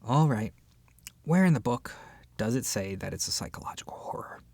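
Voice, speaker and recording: Expressive, husky voice of a flustered book-clubber. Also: medium pitch, moderate pace, no echo. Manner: expressive, hesitant, with sighs and whispered asides. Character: flustered, opinionated book club member, embarrassed but fair-minded. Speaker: ASMR roleplay voice actor. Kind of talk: scripted audio roleplay, acted as one side of a conversation addressed to the listener.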